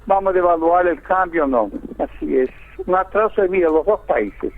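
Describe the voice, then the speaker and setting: A man's voice: high-pitched, moderate pace. A man from Argentina with a Brazilian-tinged Argentine Spanish accent, an economist explaining his points step by step in a radio interview over the phone. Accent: Argentine Spanish with a Brazilian Portuguese lilt. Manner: explanatory, lays out points in order, tag "¿viste?". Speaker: economist guest. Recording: tinny phone line.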